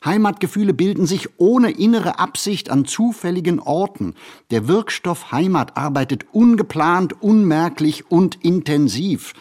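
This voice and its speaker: A man reads a reflective literary monologue for a radio play, phrasing deliberately and expressively with pauses. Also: sits high, lively intonation, darkish tone.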